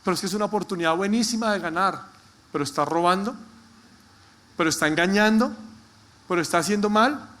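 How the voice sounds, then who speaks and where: Male pastor, high voice, bright tone, emphatic repetition. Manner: preaches with emphatic repetition, slowing for scripture. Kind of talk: sermon.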